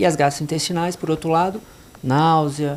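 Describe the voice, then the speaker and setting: Speaking at a moderate pace, a man has a fairly high pitch and fairly even intonation. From interior of Minas Gerais, Brazil (Carandaí, Zona da Mata). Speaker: ENT doctor. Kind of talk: TV interview, explaining medical topics.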